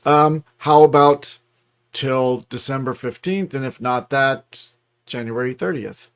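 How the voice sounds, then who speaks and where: A man's voice: medium pitch, slow pace, fairly bright tone, clear, resonant tone. A man acting out a ponderous, lenient judge in a mock-thoughtful manner. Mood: musing.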